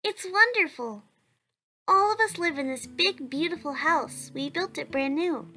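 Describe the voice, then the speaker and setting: Woman as bright, high-voiced, sweet child. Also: lively intonation, unhurried, soft background music, exaggerated voice. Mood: happy. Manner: sweet, earnest, chatty. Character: cheerful, kind, determined young child. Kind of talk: cartoon comic dub.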